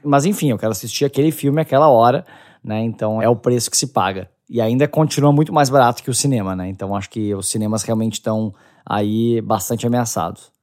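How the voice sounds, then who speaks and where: A man's voice: mid-range voice, fast, darkish tone. A man with a Brazilian accent co-hosting a podcast in casual conversation. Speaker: podcast co-host.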